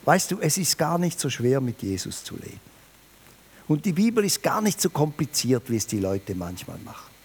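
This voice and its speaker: Man, preacher, sermon, emphatic, lively delivery, somewhat high voice. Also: moderate pace, husky. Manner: lively, emphatic, varies pitch and volume, addresses listeners directly.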